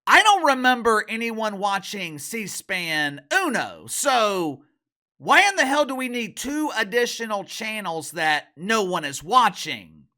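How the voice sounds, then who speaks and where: Casting: animated male commentary host, forceful bright tone, mocking and opinionated. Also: sits high, a little slow. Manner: sarcastic, mocking, emphatic.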